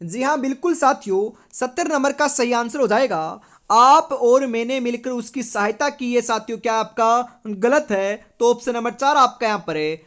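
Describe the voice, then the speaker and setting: A woman from India leads an exam-prep lesson in a fairly high voice. She reads each question and its options aloud. She confirms every answer with the same stock phrases. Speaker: teacher.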